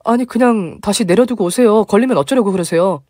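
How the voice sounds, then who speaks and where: Storybook role: man doing a young wife, pitched up high, protesting, dry close sound. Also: fairly even intonation, fairly quick, darkish tone, dry recording, lightly acted. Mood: urgent. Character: flustered young wife, a woman.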